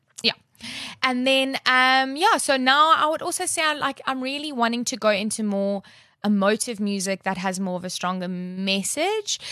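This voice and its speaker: Lively intonation and an animated tone mark this woman's high-pitched voice at a moderate pace. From South Africa. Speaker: singer and DJ. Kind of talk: interview.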